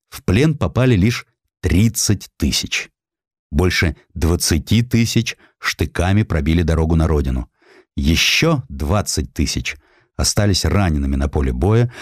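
Deep-voiced man, dramatic historical narration. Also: a little mellow, no room sound, studio quality. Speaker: audiobook narrator.

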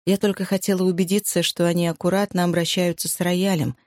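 A woman reading the part of a reserved older landlady recovering from illness, brisk and a little short of breath. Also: lowish voice, flat delivery, darkish tone, dry recording, clean studio sound, lightly acted. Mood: curt.

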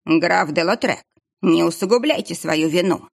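A woman's voice: on the low side, creaky, a little mellow. A woman voicing a formal, stern royal commissar making an arrest. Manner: formal, measured.

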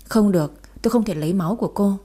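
Brief: a woman playing a firm, quick-spoken doctor, mellow breathy voice, audio story. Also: medium pitch, lightly acted. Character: cautious hospital doctor, firm then relenting.

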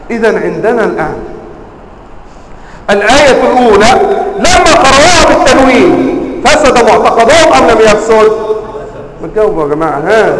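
A man with an Egyptian accent teaching a religious lesson, quizzing his listeners and stressing words with sharp rises. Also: high voice, reverberant, long reverb tail, slight background noise, poor audio. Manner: quizzes the audience, emphatic rising stresses. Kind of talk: classroom lesson.

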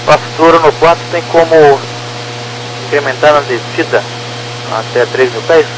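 A man's voice: on the high side, a little slow. Brazilian male air traffic controller, noisy radio. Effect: aviation radio transmission. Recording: noisy aviation radio with hum.

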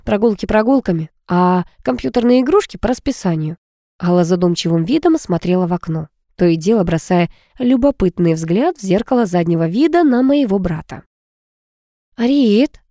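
A woman narrating a first-person story aloud, lively and teasing, with expressive dialogue. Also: lowish voice, fairly quick, dry recording, studio quality. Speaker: audiobook narrator.

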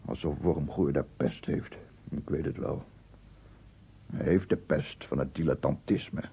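A male actor playing an embittered, obsessive amateur inventor in a radio drama monologue, husky and halting, swinging between muttering to himself and grandiose declamation. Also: low-pitched, exaggerated voice. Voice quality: husky, gravelly, often dropping to breathy murmur. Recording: muffled phone-like old radio recording.

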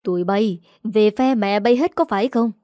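A woman's voice: mid-range voice, moderate pace, mellow, no echo, studio quality, close to an everyday voice. A woman reading a story aloud and voicing a drunk, jealous husband who sneers and accuses his wife. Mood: bitter, accusing. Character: drunk jealous bullying husband, middle-aged man.

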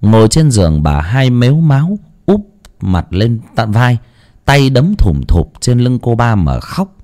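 A male audiobook narrator. He reads with a dramatic, expressive delivery, and his pitch rises and falls very widely. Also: a little slow. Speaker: storyteller.

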